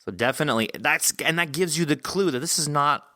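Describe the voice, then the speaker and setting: A man hosting a casual interview, talking informally and thinking aloud in an animated way. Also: fairly high pitch, fast talker, no room sound, studio quality. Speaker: podcast host interviewing an author.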